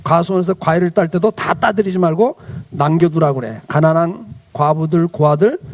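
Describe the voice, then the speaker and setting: Male pastor, children's sermon, question-and-answer delivery, gravelly voice. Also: high voice, darkish tone.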